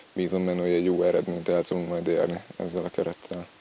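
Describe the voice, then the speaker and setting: A man speaks at a very deep, low pitch in a dry sound with no echo, with light background noise. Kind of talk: interview answer. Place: hall. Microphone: handheld.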